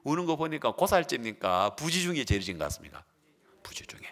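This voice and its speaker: A man's voice: medium pitch, sing-song, fast talker, fairly bright tone. A man pastor preaching a sermon, asking the congregation questions and acting out the quotes he reads. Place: church.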